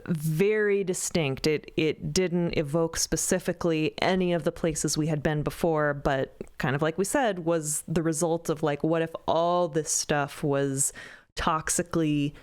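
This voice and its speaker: Woman, lower register, dry humor, reflective guest on a roundtable. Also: a little slow. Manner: thoughtful and wry, deadpan jokes, some restarts. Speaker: co-creator of an audio drama, podcast guest. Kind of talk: casual roundtable chat.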